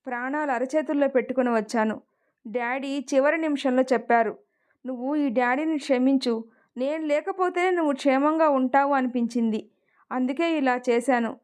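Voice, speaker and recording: A woman's voice: high voice, smooth, close to an everyday voice. A woman voicing a stubborn young heroine who lost her father, in an emotional story reading.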